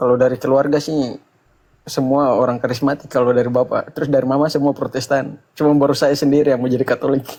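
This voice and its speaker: This man has a fairly high pitch and a dark, mellow tone, speaking at a very fast pace. His intonation is flat and monotone, and his loudness stays very even. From Maluku, Seram island, Indonesia. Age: 20s. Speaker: caller. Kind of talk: casual conversation.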